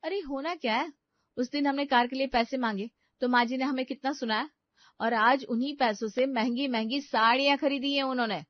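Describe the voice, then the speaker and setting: Voiced by a woman, the young daughter-in-law in this animated family tale comes across as aggrieved and suspicious, complaining in a high voice at a slightly fast pace. The sound is dry, a bit dull, and echo-free, her voice natural.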